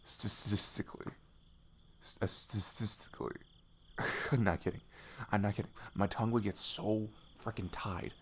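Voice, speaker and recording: A man's voice: fairly low pitch, fairly even intonation, normal speed, fairly bright tone, breathy edge. A young American man playing a goofy, affectionate best friend in an intimate ASMR roleplay, chatting in a rambling, self-deprecating way. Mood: playful, rambling. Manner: rambling, giggly, self-deprecating, drops into murmurs.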